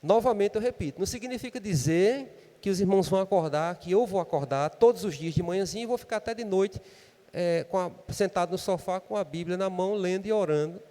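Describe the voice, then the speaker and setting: A man's voice: sits high, dark tone, in a large hall. A man with a Brazilian Portuguese accent preaching a sermon in a conversational way, often tagging his sentences with a questioning "né?". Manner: conversational preaching with frequent "né?" tags. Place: church.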